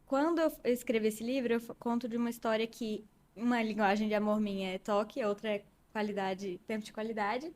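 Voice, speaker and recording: A woman's voice: a little high, steady tone, brisk, darkish tone. A Brazilian woman, a guest on a casual podcast, talking in a reflective, storytelling way.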